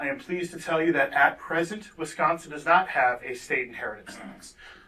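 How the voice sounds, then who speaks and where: A man with an American accent speaks at a fairly quick pace in a fairly high pitch, his loudness swinging widely over noticeable background noise. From US Midwest. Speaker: estate planning attorney. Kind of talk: educational presentation. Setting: podium before live audience. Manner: fast.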